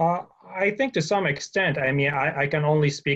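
At a moderate pace, a man speaks with an Arabic accent and ordinary pitch variation against a quiet background. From Syria. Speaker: surgeon; panelist. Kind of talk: panel discussion. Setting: video call. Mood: serious, reflective. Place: home room. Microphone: video call.

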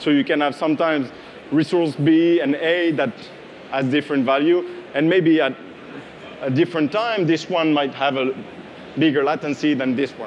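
Over light background noise, a man with a French accent talks at a moderate pace in a fairly high pitch, with ordinary pitch variation and long, frequent pauses. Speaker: cloud solutions engineer; presenter. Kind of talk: technical talk. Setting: stage with audience. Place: hall.

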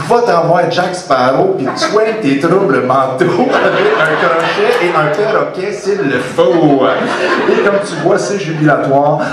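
Over loud background noise and audible room echo, a man with a Quebec accent speaks at a very slow pace. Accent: Québécois French. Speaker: slam poet. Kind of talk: improvised slam poetry performance. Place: stage.

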